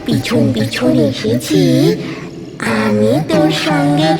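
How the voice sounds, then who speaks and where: A woman's voice: fairly high pitch, slow. A woman voicing a menacing, vengeful headless female ghost in a hissing, dramatic horror audio story style. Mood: menacing threat. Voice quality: hissing, raspy whispery voice. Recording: echoing voice under loud music.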